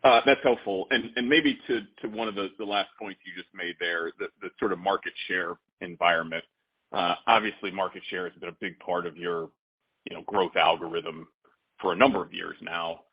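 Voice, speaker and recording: A man's voice: deep voice, steady tone, normal speed, breathy edge. A man speaking as a financial analyst on a conference call, phrasing his questions tentatively. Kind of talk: asking questions on earnings call. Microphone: conference call line. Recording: dull conference call line.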